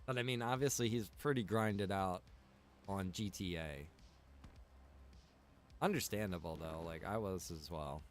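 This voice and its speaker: A man's voice: deep voice, measured pace, long pauses. A man livestreaming a game, chatting casually and playfully with viewers in slangy talk. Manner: playful, slangy, addresses viewers as bro and dude. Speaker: live streamer. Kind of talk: casual livestream chat while gaming. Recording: music behind the voice. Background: music.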